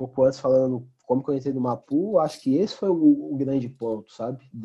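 A man's dark, mellow tone carries ordinary pitch variation as he talks at a moderate pace. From Ceará, Brazil (family from Minas Gerais). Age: 20s. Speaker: cook. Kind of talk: casual chat.

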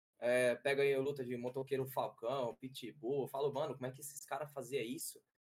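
The delivery is fairly quick, with monotone, flat intonation. Loudness swings widely throughout. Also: man, medium pitch for a man. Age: 20s. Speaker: professional wrestler. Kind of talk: casual chat. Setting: video call.

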